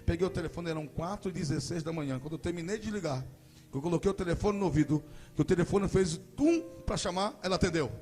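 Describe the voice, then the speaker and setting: High-voiced Brazilian pastor preaching dramatically. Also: male voice, fast talker. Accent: Brazilian Portuguese. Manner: dramatic storytelling that rises to impassioned shouting. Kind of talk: sermon testimony. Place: church service.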